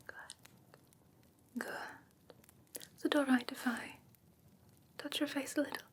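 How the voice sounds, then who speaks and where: A woman playing a whimsical, politely haughty fae creature in an ASMR fantasy roleplay, whispering in a slow, breathy, soothing way close to the mic. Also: high-pitched, fairly even intonation. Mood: soothing, admiring. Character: whimsical female fae creature gently inspecting a human pet. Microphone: close ASMR microphone.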